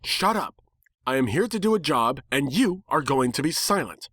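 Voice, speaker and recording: A man acts out a magical talking bird, a posh and feminine creature of a storybook world. She speaks formally and imperiously, pitched up from a male register, and takes offence easily. The sound is dry and close. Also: big pitch swings, normal speed, no room sound. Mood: stern, commanding. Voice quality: soft, feminine. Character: haughty, regal female magical talking bird, easily affronted.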